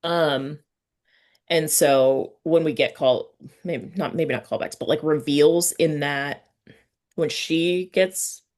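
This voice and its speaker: A woman's voice: sits low, slow, a little mellow. A woman interviewer chatting casually and informally as she puts questions to her guest. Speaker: interviewer, host.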